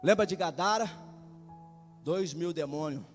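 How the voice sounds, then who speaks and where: A man's voice: fairly high pitch, measured pace. A male pastor preaching an impassioned sermon, firing rhetorical questions at the congregation. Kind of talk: Pentecostal sermon. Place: church sanctuary. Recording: long church reverb, faint music.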